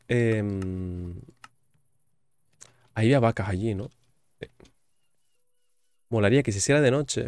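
In this gaming commentary, a YouTuber speaking with a Spain Spanish accent keeps things chatty and humorous, reading the game's text aloud. His pitch is fairly low and slightly mellow, and the recording is dry.

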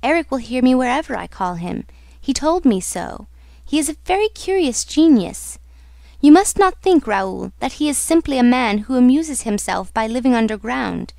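Woman acting a distraught young opera singer, high-voiced. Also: animated, moderate pace, gravelly, darkish tone, no room sound. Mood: earnest, fearful. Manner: dramatic, pleading, exclamatory. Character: distraught, fearful young female opera singer, earnest and devoted.

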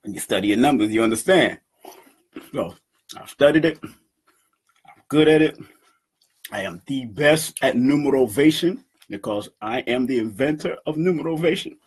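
A man in his fifties talking to his webcam from a room at home, animated and boastful, laughing often as he addresses his community. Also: medium pitch, moderate pace, pauses often, breathy edge. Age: 50s. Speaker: event organizer and numerology teacher. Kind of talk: casual talk to camera. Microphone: webcam at desk.

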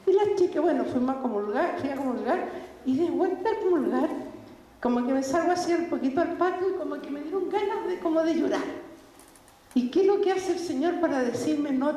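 Animated older woman in echoey hall. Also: high-pitched. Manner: animated storytelling, laughs often, acts out quoted people. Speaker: speaker giving a faith testimony. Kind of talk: religious talk with personal stories. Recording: echoey hall with faint background noise.

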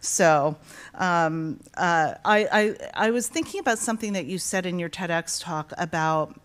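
A woman interviewer with a fairly low voice speaks on a library stage. She talks in a chatty, emphatic way and often pauses with fillers. She uses a handheld mic. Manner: conversational, emphatic, with many fillers. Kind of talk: onstage conversation.

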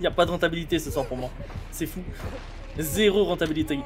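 A young man with a French accent commenting live on a game, excitable and laughing as he chats with viewers. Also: a little high, fast. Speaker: streamer. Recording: music playing behind.

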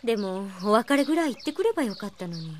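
An actress playing a sharp-tongued, bossy young woman who scolds and teases briskly in an anime radio drama. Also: medium pitch, very animated, slight background noise, lightly acted. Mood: teasing. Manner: brisk scolding, teasing talk. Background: music.

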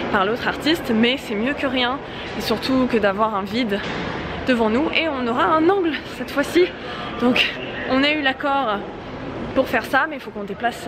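A young woman talking to a handheld camera in a casual, chatty, self-mocking way, laughing often as she walks through a busy convention hall. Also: on the high side. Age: young adult. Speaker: artist vlogger. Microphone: handheld camera at arm's length. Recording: noisy crowded convention hall. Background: loud crowd chatter.

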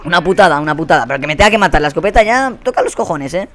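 A young man with a Spanish accent commentating his own shooter gameplay, swearing a lot and quick to burst into angry shouts. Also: a little high, animated, a little hiss or hum. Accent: Spanish from Spain. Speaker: gaming commentator. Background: faint gunfire from the game.

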